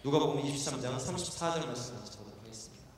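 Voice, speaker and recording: A man preaching a sermon as pastor, earnest, shifting from hushed pleading prayers to loud exhortation. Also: mid-range voice, lively intonation, racing, background noise. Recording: echoey church hall, voice from far off.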